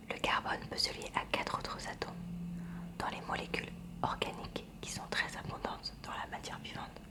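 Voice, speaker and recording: A woman reads a school textbook aloud as ASMR, whispering the whole time in a hushed library style and enunciating carefully at a measured pace.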